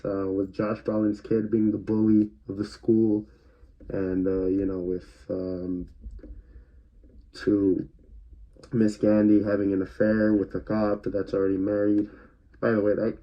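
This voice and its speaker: A man giving a casual spoken movie review, hesitant and stuttering, with many fillers. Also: lowish voice. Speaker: film reviewer. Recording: dull lo-fi recording.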